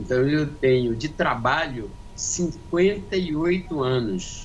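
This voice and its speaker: There is audible room echo around a man speaking with ordinary pitch variation. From Brazil, Salvador, Bahia. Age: 60s. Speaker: cultural foundation director, architect. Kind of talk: interview conversation.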